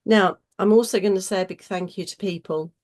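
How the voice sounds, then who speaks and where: A woman hosts an informal online session with a husky, slightly cold-worn voice. She is chatty and effusive as she welcomes and introduces people, at an ordinary middling pitch. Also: steady tone, fairly quick, a little mellow. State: getting over a cold. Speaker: host chairing an online webinar.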